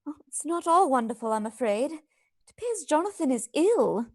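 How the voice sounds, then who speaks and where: A loyal young woman in a radio drama. She speaks in a high voice with lively swings of pitch, emotional and anxiously caring. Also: moderate pace. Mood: worried. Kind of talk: live radio play acting.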